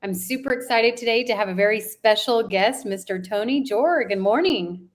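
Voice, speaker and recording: A woman's voice: medium pitch, normal speed. Enthusiastic woman hosting an interview. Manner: enthusiastic, encouraging. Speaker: podcast host, interviewer.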